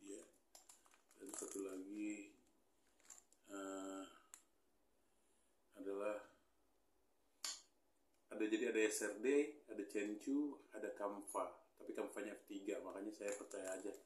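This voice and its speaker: A man's voice: fairly low pitch, level tone, unhurried, pauses often. Chatty man in an echoey room. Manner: chatty, thinks aloud with many fillers and mild complaints. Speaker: hobby vlogger. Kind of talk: casual unboxing chat. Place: small indoor room with pink wall.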